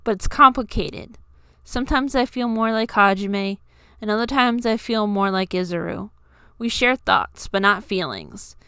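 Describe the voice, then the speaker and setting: A woman's voice: mid-range voice, unhurried, bright, forceful tone, clean tone, no echo, studio quality. A woman voicing a conflicted, apologetic young man in a story reading, speaking hesitantly. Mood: uncertain, apologetic.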